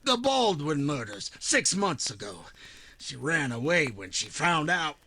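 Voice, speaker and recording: An actor playing a cowardly hired killer in 1940s radio drama style, stammering, whining and melodramatic. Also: male voice, a little high, very animated, measured pace, bright, forceful tone, heavily acted. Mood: broken, confessing. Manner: stammering, breathlessly pleading, melodramatic.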